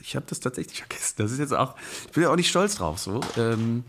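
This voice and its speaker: Male podcast co-host, rapid chatty storyteller, tag questions throughout. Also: medium pitch, very animated, fairly bright tone, a little hiss or hum. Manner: rambling anecdote, frequent "ne?" tags. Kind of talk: casual chat, storytelling.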